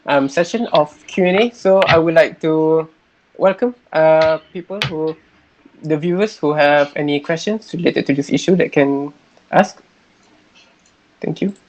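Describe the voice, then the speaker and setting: A man's voice: a little high, measured pace. Polite male webinar moderator. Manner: polite, formal, hesitant fillers. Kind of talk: moderating a Q&A, reading viewer questions. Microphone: video call. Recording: dull lo-fi webinar audio.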